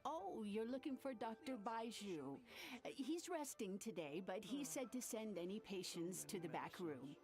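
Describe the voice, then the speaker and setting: A woman's voice: mid-range voice, expressive, normal speed, a little mellow, faint music behind, natural voice. A woman voicing a polite, helpful female pharmacy attendant in a video game.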